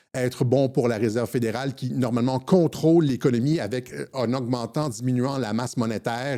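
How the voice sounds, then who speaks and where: This very clean recording with a silent background features a man at medium pitch. His tone is dark and mellow, with ordinary pitch variation. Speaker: political commentator. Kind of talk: political commentary monologue. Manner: fast.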